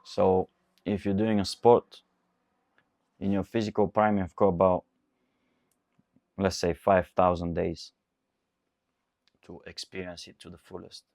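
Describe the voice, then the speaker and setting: A man's voice: sits low, little pitch movement, unhurried, long pauses, a little mellow, no room sound, clean studio sound. A man in his twenties, a coach, giving an earnest, repetitive motivational talk. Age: 20s. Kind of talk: motivational monologue.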